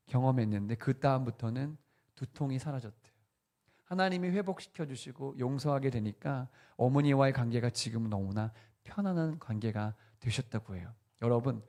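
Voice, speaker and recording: A man's voice: medium pitch, dark tone. A man preaching as pastor in a conversational sermon, asking the congregation questions and adding light humor.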